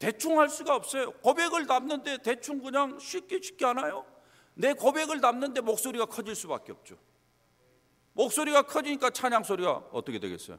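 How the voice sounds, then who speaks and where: Here a man speaks at a moderate pace with an animated tone. His pitch is extremely high, with ordinary pitch variation. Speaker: pastor. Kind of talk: sermon. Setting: church.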